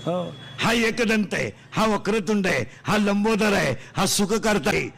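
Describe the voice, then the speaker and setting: A man preaching a comic devotional sermon to a live audience. He quizzes the crowd in quick call-and-response and tells rustic, teasing jokes. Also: high voice, gravelly, a bit bright. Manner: joking, teasing, rustic storytelling. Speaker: kirtan preacher. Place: live religious gathering before an audience.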